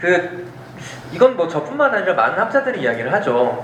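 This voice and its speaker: A man speaks at a fairly quick pace in a high pitch with very wide pitch swings. Audible room echo and noticeable background noise come through. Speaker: impact investor and social venture CEO giving a talk. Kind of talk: lecture. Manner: fast.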